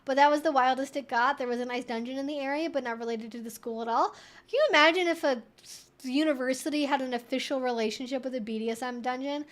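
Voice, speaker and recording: Running a relaxed question-and-answer livestream, this female host speaks quickly in a high-pitched voice. Her delivery is lively and emphatic, sprinkled with chatty side remarks.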